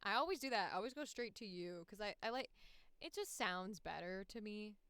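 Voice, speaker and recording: A woman's voice: mid-range voice, expressive, fairly quick, a bit bright, clean tone, dry recording. A woman chatting casually on a livestream as she works, thinking aloud in a rambling, sweary, self-deprecating way. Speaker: streamer and voice actor editing audio. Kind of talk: casual livestream chat with bursts of singing.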